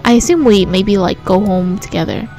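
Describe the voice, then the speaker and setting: A woman's voice: mid-range voice, normal speed, warm tone. A woman hosting a let's play, reading a visual novel aloud and adding casual commentary. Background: game music.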